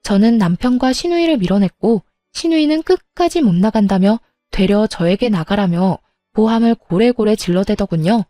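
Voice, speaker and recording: A woman narrating a first-person story in a calm, matter-of-fact way. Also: mid-range voice, normal speed, few pauses, dry recording, clean studio sound, faint music behind.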